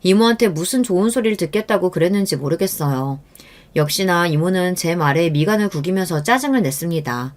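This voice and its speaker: A woman's voice: fairly low pitch, animated, brisk. A woman narrating a first-person true-life story, reflective in tone.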